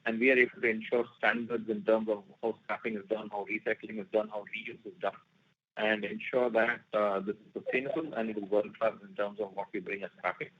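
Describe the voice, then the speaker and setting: A man moderating an earnings call as a company executive, reading questions and answering them in a measured, formal way. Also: lowish voice, fairly even intonation, husky. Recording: tinny phone-like conference line.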